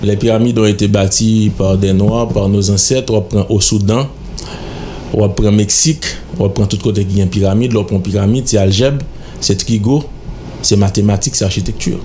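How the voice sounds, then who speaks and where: A man's voice: fairly low pitch, steady tone, normal speed, dark tone, slight background noise. A middle-aged man with a Haitian accent, a guest in a radio studio interview, speaking in an emphatic, lecturing, insistent way into a studio microphone. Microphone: studio mic on stand.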